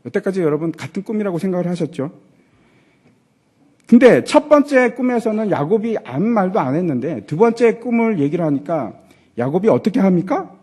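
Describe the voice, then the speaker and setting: A pastor preaches to his congregation in a church with lively energy. The man's voice sits high and swings widely in pitch. It has a slightly husky edge. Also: fairly quick. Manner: animated preaching with rhetorical questions to the congregation; acts out quoted lines in character voices. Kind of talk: sermon. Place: church sanctuary.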